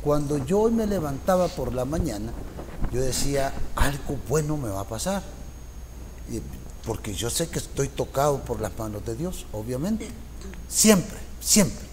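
An older man co-hosting a political TV interview, speaking in an effusive, flattering and emphatic way. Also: mid-range voice, a little slow, in a large hall, noisy background. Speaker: TV interview co-host. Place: TV studio.

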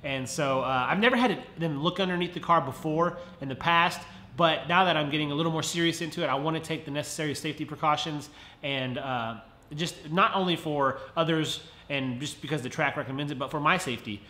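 A man's voice: a little high, a little fast, sharp tone, slight background noise. Congested man vlogging in an echoey garage. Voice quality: nasal. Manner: friendly, chatty, talks to viewers directly. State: congested from a head cold. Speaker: car vlogger. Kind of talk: casual how-to vlog. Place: home garage, indoors. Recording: roomy garage echo.

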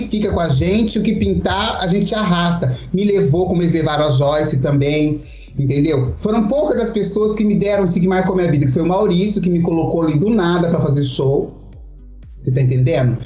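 A middle-aged woman with a Brazilian Portuguese accent, a show performer telling her story as an interview guest. She talks in a theatrical, animated way and keeps checking that the listener understands. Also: fairly low pitch, echoey room. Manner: animated, theatrical, acts out quotes, keeps asking "you understand?".

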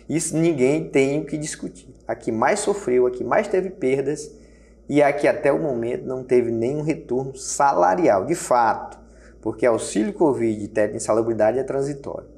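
A man's voice: a little high, gravelly, a little mellow. A man in his forties, a health workers' union leader, giving emphatic interview answers in a small studio. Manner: emphatic, gestures broadly while speaking. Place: small studio set with table. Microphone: lapel mic.

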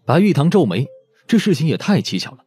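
A man's voice: a little high, sing-song, fast talker, a little mellow, breathy edge, soft background music. A man narrating a scripted audiobook story expressively.

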